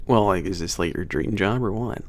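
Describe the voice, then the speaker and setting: Deep, gravelly laid-back werewolf guy, acted by a man. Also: brisk. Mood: casual, wry. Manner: hesitant, teasing, sighing and chuckling casual talk. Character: male werewolf maintenance trainer, casual, a bit of attitude. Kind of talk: ASMR roleplay audio drama.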